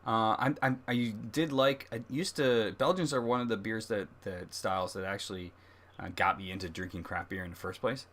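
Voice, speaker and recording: A man with a fairly low voice hosts a casual live review. He talks in a halting, conversational way, working out his thoughts as he speaks. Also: steady tone, a bit bright. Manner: halting, thinking aloud. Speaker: host of a beer review livestream. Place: livestream, speaking beside a laptop.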